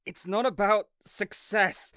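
A woman's voice: medium pitch, a bit bright, no room sound, studio quality. A woman playing a hapless but stubborn, earnest underdog villain in an audio roleplay, speaking hesitantly. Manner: hesitant, sighing, halting.

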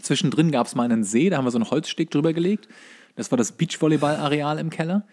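A man's voice: fairly high pitch, fast, a little mellow. A man telling anecdotes in casual chat as a podcast co-host.

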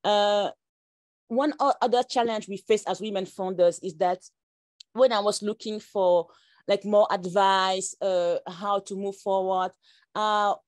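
A woman's voice: medium pitch, fairly even intonation, a little slow, dry recording. Hesitant woman founder on a video call. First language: French is not her first language. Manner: hesitant, many fillers and restarts. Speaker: startup founder. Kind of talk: panel discussion on a video call. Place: plain-walled room indoors.

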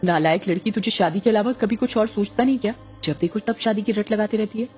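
A woman's voice: mid-range voice, fast talker, a little mellow, soft background music, lightly acted. A woman voicing a bossy, scheming middle-aged witch mother who scolds and gives orders. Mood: stern. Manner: scolding, commanding.

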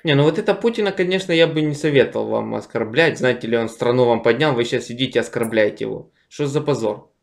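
A man's voice: mid-range voice, quick pace, gravelly. A young man, a vlogger, talking slyly and provocatively on a webcam video chat from a small room. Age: young adult. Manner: sly, teasing, provocative. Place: small room lit blue indoors. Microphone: webcam video call.

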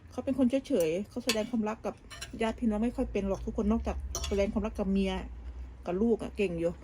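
A woman's voice: mid-range voice, fast talker, dark tone, slight background noise. A woman vlogger, chatting casually and gossiping about family while cooking at home, often restarting her sentences. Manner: gossipy, talks with many restarts and fillers. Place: home kitchen abroad.

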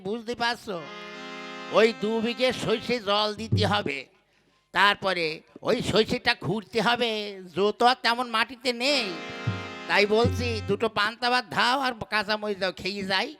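Man voicing a bumbling village husband, puppet cartoon, high voice, loud and whiny. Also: moderate pace, faint music behind. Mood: bossy, hungry. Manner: loud calling, then groaning and whining. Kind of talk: puppet show voice acting.

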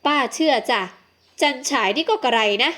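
A woman's voice: high voice, moderate pace, bright, forceful tone. A woman voicing an elderly aristocratic aunt who is doting but bossy, in an audiobook. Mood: indignant. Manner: fussy, scolding, affectionate. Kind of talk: audiobook character voice.

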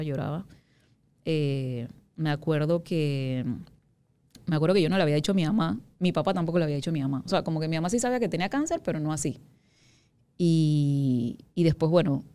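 Woman in her 30s, really low pitch and a warm, mellow tone, chatting openly as a guest, lots of "o sea" loops. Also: clear, resonant tone. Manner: frank, talks in long loops with many "o sea" asides. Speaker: interview guest. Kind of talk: candid conversational interview.

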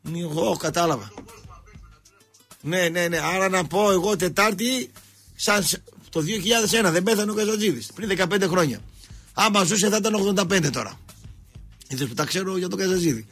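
Radio host, man, high raspy voice, gravelly, faint music underneath, repeats points for emphasis. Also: pauses often, fairly bright tone. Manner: preachy, emphatic repetition. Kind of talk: call-in radio chat.

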